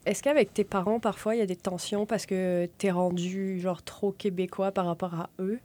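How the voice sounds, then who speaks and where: A woman's voice: medium pitch, steady tone, moderate pace, mellow. A woman interviewing a guest, asking informal, casual questions. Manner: informal, uses tutoiement.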